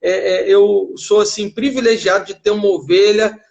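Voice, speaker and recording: High-voiced pastor hosting a live. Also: male voice, fairly even intonation, moderate pace, creaky, a little mellow, highs cut off. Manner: affirming, repeats back key points. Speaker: pastor, live-stream host. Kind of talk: church live-stream chat. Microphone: video call.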